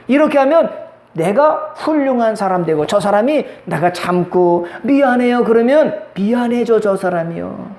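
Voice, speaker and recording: A middle-aged man preaches a sermon in a high, bright-toned voice, asking questions and slipping into the voices of the people he quotes. The sound rings around a reverberant church sanctuary. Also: expressive, normal speed. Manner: call-and-response preaching, acting out quoted voices. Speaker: pastor. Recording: echoey church hall.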